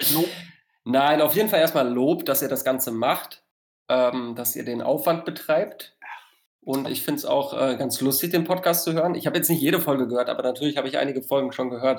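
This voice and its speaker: Ordinary pitch variation and a fairly quick pace from a man, fairly high-pitched, in a normal speaking voice. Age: 20s. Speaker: jingle maker and friend of a host. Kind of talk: casual chat. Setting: remote call.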